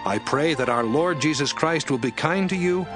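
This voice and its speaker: A man giving a measured, expressive scripted reading of scripture as narrator. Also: fairly high pitch. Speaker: Bible reader. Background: background music.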